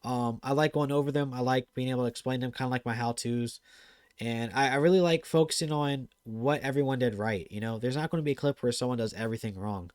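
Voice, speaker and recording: Male gaming host, fast and excitable, average pitch, dead-dry room sound. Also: no room sound. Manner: excitable and fast-talking, with many fillers. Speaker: gaming channel host reviewing viewer clips. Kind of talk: casual commentary over gameplay clips.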